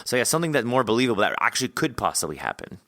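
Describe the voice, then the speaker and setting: A man's voice: mid-range voice, very animated, rapid-fire, sharp tone, no room sound, clean studio sound. A man hosting a podcast interview, talking casually and emphatically.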